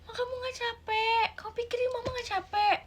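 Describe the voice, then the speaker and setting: A woman's voice: extremely high pitch, flat delivery, fairly quick, voice pushed up. Woman playing a weepy martyred mother. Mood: sobbing plea. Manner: tearful, martyred, half-whispered pleading. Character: exhausted weepy mother guilt-tripping her child.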